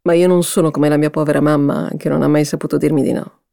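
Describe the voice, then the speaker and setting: A woman reading aloud and voicing an angry, vain mother who scolds her daughter with a hoarse, contemptuous voice. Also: sits low, flat delivery, fast talker, mellow, dry recording, studio quality. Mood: smug. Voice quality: hoarse with anger. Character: furious domineering mother, vain and shrill. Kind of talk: audiobook character reading.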